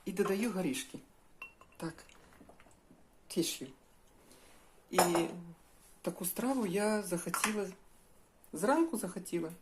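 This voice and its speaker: Slow-talking older woman chatting in the kitchen. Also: medium pitch, animated, very noisy. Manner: chatty, homely, talks to viewers as girls. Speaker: cooking vlogger. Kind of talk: casual cooking vlog.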